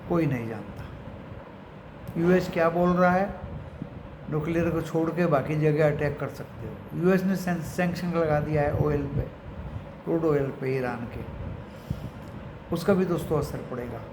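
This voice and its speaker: A man's voice: fairly high pitch, unhurried, long pauses. A man with an Indian accent giving unscripted market commentary to his viewers, mixing in English phrases and addressing them like friends. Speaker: stock market commentator and channel host. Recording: echoey room with clear background noise.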